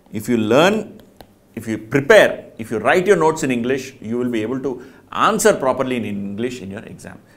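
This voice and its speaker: In an Indian accent, a man speaks at a medium pitch with very wide pitch swings. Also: fairly quick pace. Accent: Indian English (Telugu). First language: Telugu. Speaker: CA exam teacher, edtech co-founder. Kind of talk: talk to students. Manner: earnest, persuasive.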